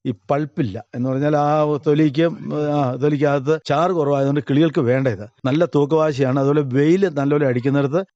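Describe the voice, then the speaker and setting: A middle-aged farmer from Kerala, answering interview questions in a plain, casual way and pausing to search for words. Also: male voice, fairly high pitch, fairly even intonation, dark tone, no room sound. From Kerala, India. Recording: dull lo-fi radio recording.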